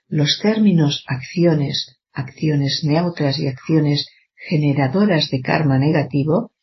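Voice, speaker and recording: Brief: sermon reader, formal and measured, speaks to the flock as children, middling pitch, muffled low-fi recording. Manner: measured, even, addresses listeners as children. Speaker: reader of a spiritual discourse. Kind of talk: formal scripted reading of a sermon.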